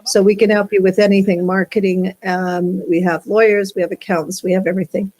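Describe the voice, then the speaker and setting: Woman, consultant, flat monotone delivery, brisk. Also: medium pitch, low-quality recording.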